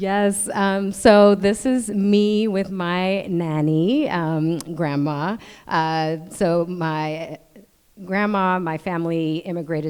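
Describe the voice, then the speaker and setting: A woman speaks in a Californian accent with ordinary pitch variation. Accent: Californian American. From Southern California. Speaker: author and leadership facilitator. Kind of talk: panel discussion. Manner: halting.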